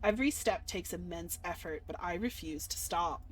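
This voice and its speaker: Expressive woman streaming a visual novel. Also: on the low side, normal speed, a little hiss or hum. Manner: expressive, reactive. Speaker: game streamer. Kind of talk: dramatic visual novel reading with casual commentary.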